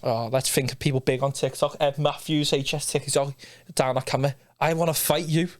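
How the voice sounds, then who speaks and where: A man's voice: mid-range voice, level tone, fairly quick. A young man hosts a casual podcast chat in a matey, slangy way, often ending on tag questions. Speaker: podcast host.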